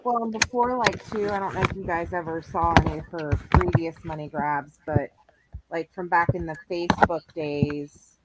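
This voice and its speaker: A hesitant speaker in a casual chat, often trailing off into quiet. The voice sits under loud background noise. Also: medium pitch, fairly even intonation, moderate pace.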